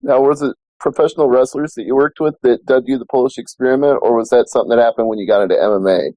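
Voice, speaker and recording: A man hosting an interview, asking brisk, friendly questions. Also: mid-range voice, mellow, no echo, low-quality recording. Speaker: podcast host.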